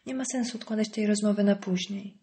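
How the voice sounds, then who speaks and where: A woman's voice: medium pitch, fairly even intonation, fast talker, mellow, lightly acted. A woman reading an audiobook voices a curt, irritable middle-aged politician husband. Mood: curt, irritated. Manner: curt, dismissive.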